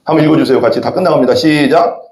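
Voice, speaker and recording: A pastor with a voice on the high side preaches very fast over a noisy crowd in a church sanctuary, the echo of the hall clearly audible. He is animated, speaks straight to his congregation and often throws questions at them.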